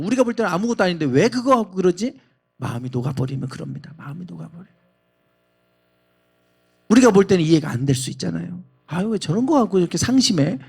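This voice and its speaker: High, lively, gravelly-voiced male pastor. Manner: emphatic preaching, leads congregation in reading. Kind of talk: sermon. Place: church sanctuary.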